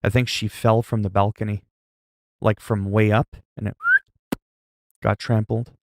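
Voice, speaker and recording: A man hosting a livestream, chatting loudly in a mock-stern, profane way with quick swings in volume. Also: lowish voice, little pitch movement, noisy background. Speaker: livestream host. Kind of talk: casual livestream chat.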